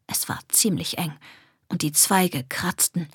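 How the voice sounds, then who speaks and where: A woman narrating a children's fantasy story softly and expressively, often dropping to a whisper. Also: fairly low pitch, measured pace, husky, no echo, studio quality. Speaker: audiobook narrator.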